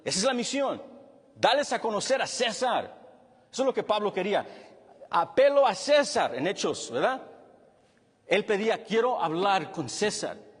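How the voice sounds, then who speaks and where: A male pastor preaching a sermon with a husky voice, animated and then dropping low and quiet to stress a point. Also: moderate pace, long pauses. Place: church hall with long reverb. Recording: reverberant church hall.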